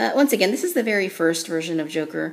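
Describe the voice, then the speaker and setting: The speaker is a woman with a fairly low pitch. She talks at a fairly quick pace with ordinary pitch variation. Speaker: toy reviewer. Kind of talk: product review commentary. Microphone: phone near.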